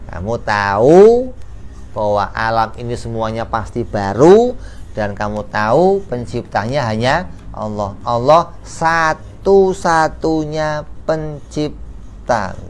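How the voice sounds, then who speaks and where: A man teaching a casual religious study class, joking and acting out little dialogues. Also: medium pitch. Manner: lively, joking, slangy, acts out dialogues. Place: study gathering room.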